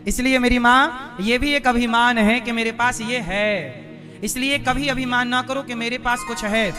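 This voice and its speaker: A man preaches with a very high voice, weaving folk tales into a devotional talk. He keeps questioning and teasing his listeners. Music plays clearly behind him. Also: a little slow. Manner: questions and teases the audience. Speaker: katha preacher. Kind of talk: devotional sermon with storytelling.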